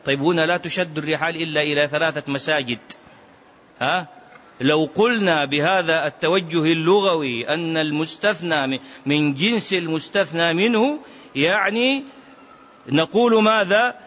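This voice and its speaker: A man leads a religious lesson in a mosque, his voice a touch high and emphatic. He chants some phrases and fires off rhetorical questions. The recording is dull and muffled. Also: normal speed, a bit bright. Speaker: religious teacher. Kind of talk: mosque lesson explaining hadith.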